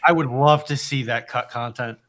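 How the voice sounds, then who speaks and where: A man's voice: medium pitch, moderate pace, fairly bright tone. A man speaking as a panelist in a casual history discussion, building his argument in repeated phrases.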